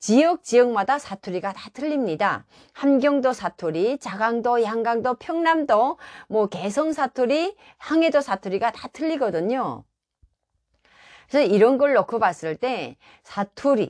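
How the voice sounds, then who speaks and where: A woman's high-pitched voice, fairly slow, with very wide pitch swings and big swings in loudness, over a quiet background in a dry, close sound with no echo. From North Korea, Pyongyang. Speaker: YouTuber, North Korean defector. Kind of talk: casual vlog monologue.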